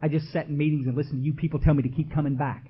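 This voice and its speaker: Man, recovery talk, folksy, emotional, slightly high voice, muffled old recording. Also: level tone, very fast, breathy edge. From Texas. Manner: folksy, emotional, addresses the crowd directly. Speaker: recovery meeting speaker. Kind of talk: testimony talk at a podium. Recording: dull lo-fi archival tape.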